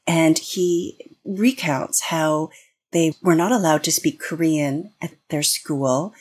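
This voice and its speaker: A woman's voice: sits low, takes it slowly, slightly rough. An American woman speaking as a guest on an interview podcast, explaining in an earnest way with frequent restarts. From United States. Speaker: guest expert.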